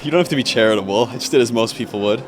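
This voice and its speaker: A man playing a genial gentleman, traffic behind. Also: medium pitch, racing, close to an everyday voice. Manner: courteous, easygoing. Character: polite, genial adult gentleman employer.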